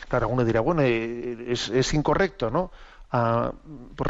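A man's voice: mid-range voice, dull audio. Man giving teacherly religious commentary. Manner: measured, peppered with "eh" and "¿no?" tag questions; explanatory, teacherly, with rhetorical questions. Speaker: host of a religious commentary program.

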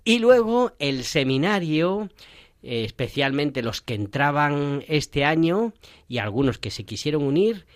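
A man's voice: on the high side, big pitch swings, unhurried, no echo, clean studio sound. A man hosting a casual radio chat, playful and joking about his own stumbles. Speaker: radio show host, seminarian.

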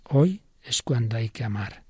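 A man reading the lines of an elderly pope, gentle yet urgent, pressing and insistent. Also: mid-range voice, animated, measured pace, slightly rough, no echo, clean studio sound.

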